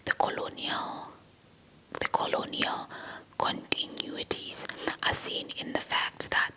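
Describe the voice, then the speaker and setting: A woman giving a whispered ASMR lecture in a breathy, unvoiced whisper, deliberate and often repeating words and phrases. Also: sharp tone, poor audio. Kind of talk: whispered ASMR lecture, reading informational text.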